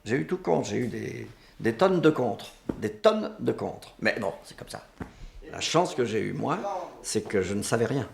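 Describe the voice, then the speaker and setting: Gravelly, animated man. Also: mid-range voice, a little slow, slight background noise. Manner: emphatic, repeats himself. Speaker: actor interviewed. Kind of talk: interview clip.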